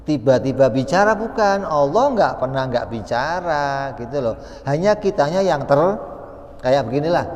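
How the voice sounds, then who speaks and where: Slow-speaking man teaching in a reverberant hall. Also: medium pitch, darkish tone. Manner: conversational, asks and answers his own questions. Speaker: religious teacher. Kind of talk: Islamic study lecture.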